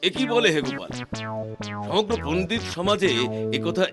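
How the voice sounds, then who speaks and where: An actor playing a credulous older village scholar in a cartoon, fussy and pompous. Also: male voice, sits high, lively intonation, moderate pace. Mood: startled. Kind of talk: cartoon character acting. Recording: loud music behind the voice.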